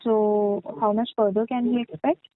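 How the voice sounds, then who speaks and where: A woman calling in over the phone to ask questions on a conference call. Her voice comes through faint and feeble, and she speaks hesitantly with many filler pauses. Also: mid-range voice, flat delivery, dry recording. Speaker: caller asking questions on an earnings call. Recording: tinny dry phone line.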